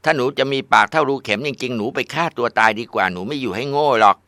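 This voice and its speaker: A man voicing a spoiled, rude teenage girl who whines and yells insults. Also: medium pitch, fast talker, dry recording, voice pushed up. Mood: whiny demanding. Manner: whiny, shouting insults.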